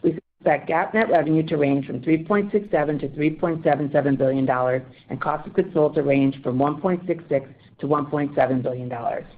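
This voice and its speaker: A woman executive reading a scripted financial report in a formal, measured way over a conference phone line. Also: sits low. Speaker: company financial executive on earnings call.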